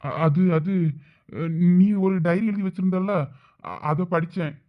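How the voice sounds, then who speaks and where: A woman's voice: lowish voice, a little slow, highs cut off, natural voice. A woman voicing a remorseful young husband in a cartoon, pleading and apologetic, with a Thoothukudi Tamil accent.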